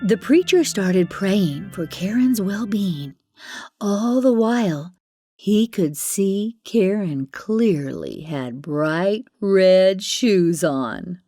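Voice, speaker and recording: A woman tells a children's fairytale slowly and dramatically, with a very lively rise and fall. The sound is close and dry, with faint music behind her. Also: medium pitch, no room sound. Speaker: storyteller. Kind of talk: expressive children's fairytale narration.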